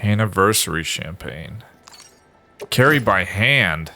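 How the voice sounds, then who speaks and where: A man's voice: low-pitched, expressive, takes it slowly, pushed and bright, slight background noise. A man giving casual, profane let's-play commentary, exasperated as he plays. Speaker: gamer playing through a video game. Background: game music.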